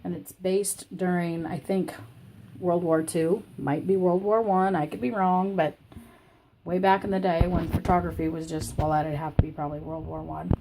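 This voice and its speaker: A woman with a scratchy, croaky voice from illness, hosting a crafting channel. She gives a rambling, chatty personal update from her home craft room. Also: lowish voice, steady tone, moderate pace, warm tone. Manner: rambling and chatty, with many fillers. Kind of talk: casual personal update chat.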